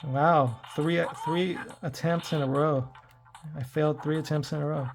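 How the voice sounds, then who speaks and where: A man in his forties talks his way through a handheld game session, addressing viewers in loose, rambling asides. His voice is worn and hoarse, deeply gravelly and raspy, and sits a touch higher than most men's. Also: steady tone, unhurried, music in the background. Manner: rambling, chatty, talks to viewers while playing. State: hoarse from throat trouble. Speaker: tech reviewer playing retro games. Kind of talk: casual gameplay commentary.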